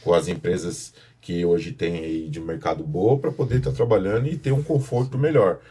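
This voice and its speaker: A man's voice: sits low, steady tone, normal speed, warm tone, breathy edge. A man with a São Paulo Brazilian accent presenting a podcast conversationally, speaking informally to viewers and often repeating himself. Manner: informal, repetitive, addresses viewers directly. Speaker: podcast host, professional condominium manager.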